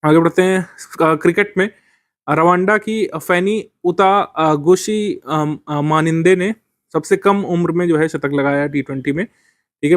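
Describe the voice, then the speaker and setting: A man's voice: on the high side, no room sound. A man teaching current affairs for a civil services exam, explaining step by step with frequent fillers.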